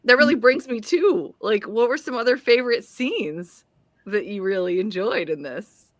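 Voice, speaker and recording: A woman hosting a casual book club chat, expressive, acting out quotes and reactions as she goes. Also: mid-range voice, moderate pace, no room sound.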